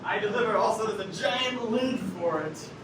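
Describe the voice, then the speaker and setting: A man's voice: sits high, animated, normal speed. A man playing a chatty blender shop owner with a dry, rambling sales patter in a live improv comedy show. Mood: salesy. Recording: echoey stage from far off, noisy.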